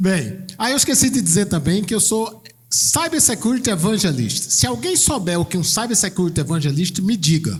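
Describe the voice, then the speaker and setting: A man with a high pitch and very wide pitch swings talks with hardly any pauses at very even loudness, amid noticeable background noise and audible room echo. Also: moderate pace. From Brazil, Pernambuco. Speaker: information security expert. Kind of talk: panel discussion. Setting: stage with audience.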